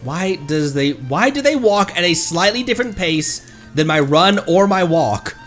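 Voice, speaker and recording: Very animated male game streamer. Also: sits high, a little slow, soft background music. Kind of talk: casual playthrough commentary.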